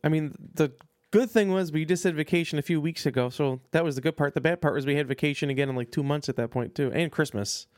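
A man co-hosting a podcast, telling stories in a casual, animated way. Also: on the high side, dry recording, studio quality. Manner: quick, animated storytelling. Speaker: podcast co-host. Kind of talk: casual chat. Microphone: studio podcast mic.

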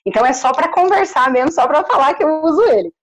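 A woman's voice: sits high, animated, fast talker. A woman from Paraná with a caipira country accent, chatting and explaining emphatically in a casual interview. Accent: caipira country accent of northern Paraná. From Paraná, Brazil. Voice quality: good clear diction. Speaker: commercial voice-over artist.

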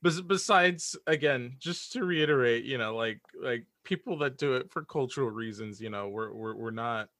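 A man's voice: mid-range voice, moderate pace, few pauses, fairly bright tone, no echo, clean studio sound. A man in a casual podcast chat, talking hesitantly and repeating words as he hedges his points. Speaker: podcast guest, audio drama writer.

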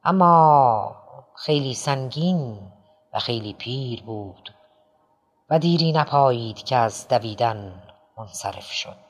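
A man reading a novel aloud as an audiobook narrator, expressive, lifting his voice for quoted lines. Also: medium pitch.

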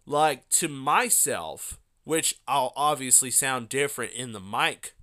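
Bright, clear-voiced young man rambling casually. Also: medium pitch, expressive, slow. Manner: rambling, loose with many fillers and asides. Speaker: podcast host. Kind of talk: casual solo podcast talk.

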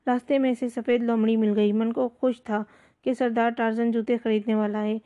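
A woman narrates a storybook in a steady, even reading. Her voice is fairly high and mellow, with a flat tune. The recording is dull and lo-fi.

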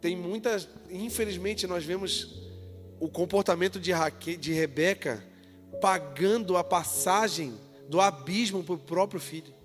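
A man preaching a sermon, telling the story in lively, slangy style and acting out the dialogue. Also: sits high, unhurried. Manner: lively storytelling with colloquial jokes and acted-out dialogue. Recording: hall reverb with faint music.

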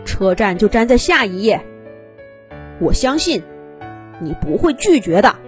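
A woman's voice: medium pitch, very animated, measured pace, soft background music. A woman voicing an earnest, commanding triceratops team captain in a children's story, formal, rousing and emphatic. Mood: rousing, urgent.

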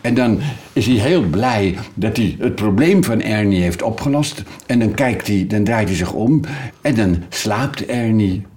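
A man's voice: lowish voice, lively intonation, unhurried, a little mellow. Casting: oudere man als gast, vrij lage stem, aarzelend met veel 'eh'. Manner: hesitant, many fillers, acts out voices in passing. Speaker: guest, voice actor. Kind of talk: relaxed interview conversation.

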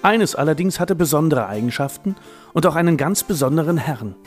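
A man's voice: a little high, expressive, a little fast, faint music behind. A man narrating scripted history in a documentary storytelling style.

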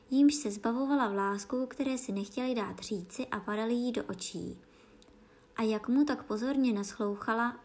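A woman with a slightly high voice reads a children's storybook aloud. Her narration is calm and expressive, paced for young listeners.

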